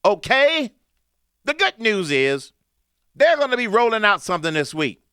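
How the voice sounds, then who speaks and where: A man hosts a talk show, running through the news with a lively, swinging pitch. His voice is bright and smooth. The studio sound is dry and close, and he mixes loud emphasis with low asides. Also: moderate pace, no room sound. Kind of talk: opinionated news commentary.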